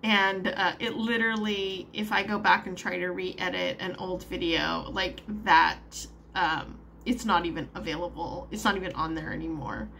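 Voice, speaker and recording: A woman's voice: lowish voice, normal speed, gravelly, pushed and bright, a little hiss or hum. A woman vlogging casually from her home, rambling with lots of fillers and little laughs as she vents her frustration. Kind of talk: casual vlog chat.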